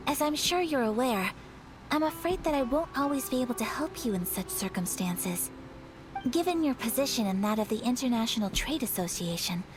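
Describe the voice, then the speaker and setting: An actress playing a composed young noble eldest daughter who speaks formally and with measured poise. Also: female voice, fairly high pitch, close to an everyday voice.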